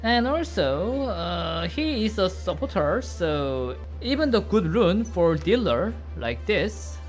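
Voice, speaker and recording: A man in his thirties with a Korean accent, a native Korean speaker giving casual game commentary in simple, halting English. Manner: excitable, high-pitched exclamations in play, simple halting English. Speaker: game streamer. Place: indoor room at a desk, webcam beside game screen. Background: faint game music.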